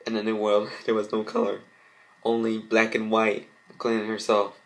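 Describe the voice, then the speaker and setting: A man's voice: lowish voice, monotone, normal speed, rough recording. A man reading a cartoon fan story aloud as an amateur narrator, stumbling now and then over his words. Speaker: fan fiction reader.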